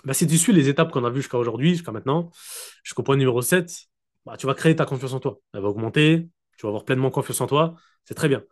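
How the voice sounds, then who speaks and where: On a video call, a man with a mid-range voice uses his computer microphone to motivate his network marketing team, keeping it casual and direct. He repeatedly confirms they're following along, and he slows to dictate the key points.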